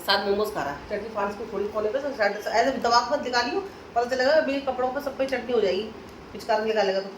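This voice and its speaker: A woman's voice: fairly high pitch, fast, slight background noise, rough recording. A woman chatting casually to her viewers in a daily vlog, sounding stuffy from a heavy cold with a runny nose. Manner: chatty, talks straight to her viewers as friends. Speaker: vlogger.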